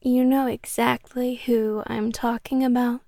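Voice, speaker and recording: A woman's voice: sits high, steady tone, slow pace, no room sound. A woman as a clingy, possessive cat girl. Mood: sweetly menacing. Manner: soft whispering, close and intimate. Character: possessive young cat girl, sweetly obsessive. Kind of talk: ASMR roleplay.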